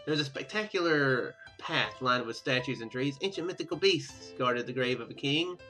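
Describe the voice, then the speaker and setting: Bright-voiced man reading game text aloud. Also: medium pitch, lively intonation, moderate pace, soft background music. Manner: ad-libs offhand remarks, casual and informal. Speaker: gaming video host playing a visual novel.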